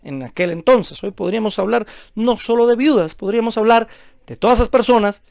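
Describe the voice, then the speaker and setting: A man's voice: sits high, gravelly, dry recording. Man, pastor, sermon, emphatic, rhetorical questions, dry recording.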